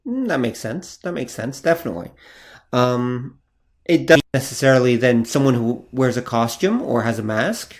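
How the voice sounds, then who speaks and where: A man's voice: mid-range voice, animated, moderate pace. Playful male podcast host. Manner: playful, theatrical openings. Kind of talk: casual podcast chat.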